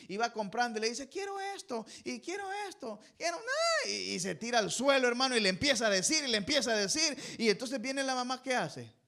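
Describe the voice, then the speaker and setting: A man preaching a sermon with a high, bright voice. He talks emphatically to his congregation, calls them brothers and has them call out the missing words. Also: vocal fry. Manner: emphatic, addresses listeners as brothers. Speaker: pastor.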